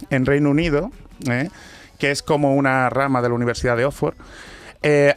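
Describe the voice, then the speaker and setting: A man with an Andalusian accent hosting a studio chat show, presenting news items in a chatty way and tagging his sentences with a questioning "eh". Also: mid-range voice. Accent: Andalusian Spanish. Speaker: radio show host.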